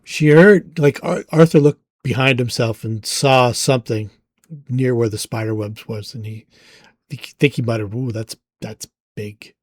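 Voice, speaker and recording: A man narrating as game master of a tabletop game in a relaxed, halting way with many fillers. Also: medium pitch, no room sound, clean studio sound.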